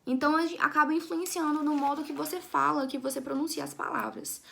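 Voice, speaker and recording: A woman's voice: high voice, steady tone, fast talker, creaky, sharp tone. A young woman teaching an English lesson to her students, chatty, often checking in with her class and restarting her sentences.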